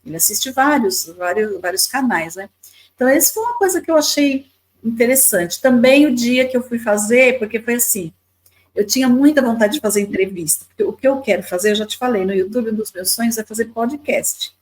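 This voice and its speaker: This podcast guest, a Brazilian lawyer and YouTuber in her fifties, speaks animatedly and fairly quickly in a voice on the high side. Her storytelling is chatty, full of repeated words and tag questions, and the recording quality is poor.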